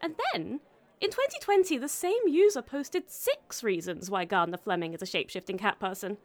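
A woman's voice: mid-range voice, expressive, moderate pace, no room sound, lightly acted. A woman playing a chatty, prim and officious office manager in a black comedy audio drama. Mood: earnest.

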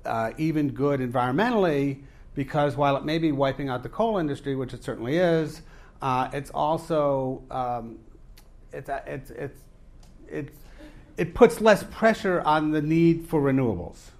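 A man's voice: fairly high pitch, moderate pace. A man interviewing an author before a live audience, asking long, meandering questions. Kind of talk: live public conversation.

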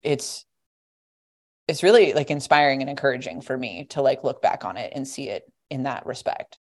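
A young adult guest on a podcast, talking casually and rambling, with lots of "like" and "you know.". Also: female voice, very deep voice, normal speed.

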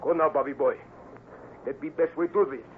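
Man doing a steady careful scout sidekick, clipped broken english, old radio western, tinny and hissy. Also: a little high, natural voice. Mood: firm. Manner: measured, terse, stilted broken English. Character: steady, cautious Native scout sidekick to boy hero. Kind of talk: old-time radio adventure acting. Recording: noisy, narrow-band old radio recording.

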